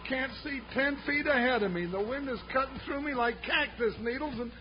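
A man playing a big, good-hearted comic cowboy deputy in an old radio western, folksy and whiny in a high-pitched voice. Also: brisk. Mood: grumbling. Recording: noisy, muffled vintage radio recording.

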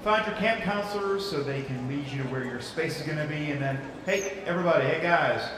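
An actor playing an earnest youth church camp leader who addresses a congregation with pauses and casual preacherly phrasing. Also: male voice, fairly high pitch, noisy background, close to an everyday voice. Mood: loud, directing. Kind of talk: audio drama acting, leading prayer and addressing a congregation. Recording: echoey hall, far from the mic.

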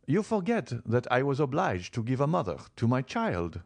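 A man reading an audiobook, voicing a formal, composed father who answers in a measured, placating way. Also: mid-range voice, huge pitch swings, gravelly, no room sound, pitched above the performer's own voice, exaggerated voice.

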